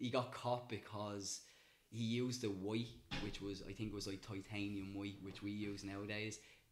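A man with a Dublin accent speaks at a moderate pace. His fairly low voice is monotone and flat. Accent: Dublin Irish. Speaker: artist and musician. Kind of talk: casual chat.

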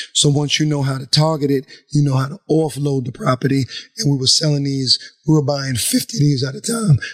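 Somewhat breathy and fairly high for a man, his voice moves at a fairly quick pace with ordinary pitch variation in a dry, close sound with no echo. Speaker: land investor and educator. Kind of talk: podcast interview.

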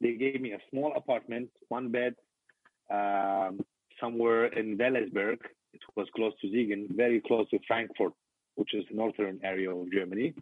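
A man with a Middle Eastern accent speaks at a moderate pace and medium pitch. His intonation is fairly even, though his loudness swings widely. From Iraqi Kurdistan. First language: Kurdish. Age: 30s. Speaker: logistics company manager, former exchange student. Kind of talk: casual interview. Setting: video call. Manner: halting.

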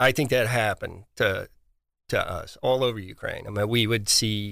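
Speaking with an American accent at a fairly slow pace, a man is heard on a very clean recording with a silent background. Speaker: charity foundation founder. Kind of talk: interview. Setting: studio.

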